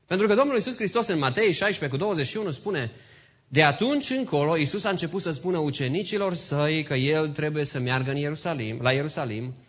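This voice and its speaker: Guy preaching in church, kinda high voice, gets quiet then fired up, muffled lo-fi audio. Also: lively intonation. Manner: swings between quiet asides and loud impassioned build-ups. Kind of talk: sermon. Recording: dull lo-fi recording.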